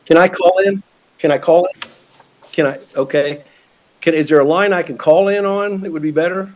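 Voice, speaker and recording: A man's voice: high voice, normal speed, muffled recording. A man calling into a meeting over a video link, his audio breaking up as he keeps asking whether he can be heard. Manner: asks again and again whether he is heard. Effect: video call audio breaking up. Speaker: caller joining remotely. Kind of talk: public comment at a meeting. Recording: noisy, clicking remote call line.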